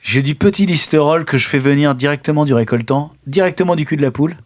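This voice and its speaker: A man's voice: fairly high pitch, fast. Joking, rambling man improvising role-play.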